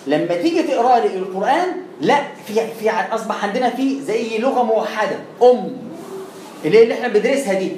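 A man's voice: high voice, lively intonation, fast talker, darkish tone. A man with an Egyptian Arabic accent teaching Quran recitation in a chatty way, repeating words and sounding out letters. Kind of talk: explanatory lesson. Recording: roomy echo, faint background noise.

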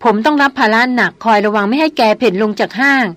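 A woman reading the lines of a seasoned male jungle hunter who gives steady, reassuring advice. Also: on the high side, fast talker, no room sound, lightly acted. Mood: calm advising.

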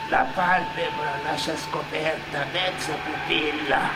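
A man narrating a dramatic theatrical monologue as a stage actor, solemn and emphatic, with long pauses. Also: steady tone, loud music behind the voice, poor audio. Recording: loud hum and rumbling background noise.

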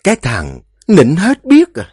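A man voicing a tender, soft-hearted elderly grandmother, gently scolding. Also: on the high side, huge pitch swings, unhurried, husky, no echo, studio quality, pitched above the performer's own voice, full character voice.

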